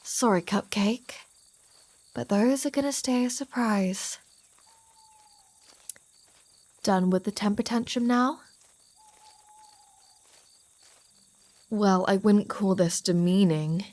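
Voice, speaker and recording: Woman playing a slow-talking, flirty female vampire. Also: medium pitch, a little mellow, close to an everyday voice. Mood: sardonic, flirty. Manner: playful, sardonic, mock-exasperated. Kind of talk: ASMR roleplay audio drama.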